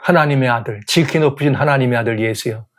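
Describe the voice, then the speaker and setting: A man voicing a male demon who begs to be let out, in a lower, quieter voice than his own. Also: quick pace, natural voice. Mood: pleading.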